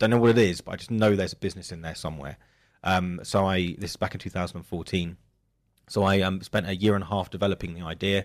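A man's very deep, low voice with a British accent, very fast pace and fairly even intonation, in a very clean recording with a silent background. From UK. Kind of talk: interview.

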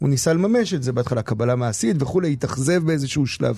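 A man talks fairly quickly in a dark, mellow tone that is somewhat breathy. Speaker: radio host. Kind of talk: casual chat. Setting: studio.

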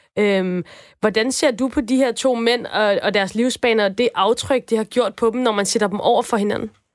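A woman with a fairly high pitch uses an unremarkable speaking voice at a moderate pace, with fairly even intonation. The recording is very clean with a silent background and a dry, close sound with no echo. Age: 30s. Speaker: radio host. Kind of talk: casual chat. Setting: studio.

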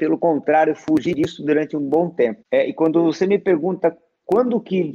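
Moderate pace with ordinary pitch variation. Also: man. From Brazil, born in Uruguay. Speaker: former footballer, athlete career manager. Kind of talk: radio interview.

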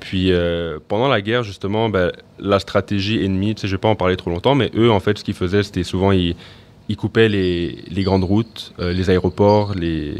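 A man speaks in a plain, everyday voice, fairly low in pitch and moderate in pace. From Lebanon. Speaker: podcast guest. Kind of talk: casual chat.

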